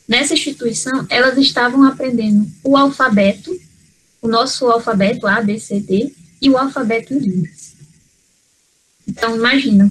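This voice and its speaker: Brazilian woman on a video call, bit high voice, earnest, lots of fillers and restarts. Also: a little hiss or hum, low-quality recording. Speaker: panel speaker. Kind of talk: spontaneous talk in an online panel.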